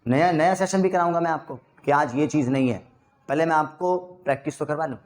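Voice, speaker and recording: Hindi-speaking man leading fast classroom drills. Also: a little high. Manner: brisk drill calls, coughs and clears throat often. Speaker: spoken English teacher.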